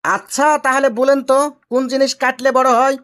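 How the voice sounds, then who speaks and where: A man's voice: very high-pitched, flat delivery, fairly quick, a bit bright, clear, resonant tone. Cheeky young son-in-law played by a man, Rajshahi Bengali accent, cocky and argumentative, for village cartoon comedy. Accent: Rajshahi Bangladeshi Bengali. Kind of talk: amateur cartoon comedy dialogue.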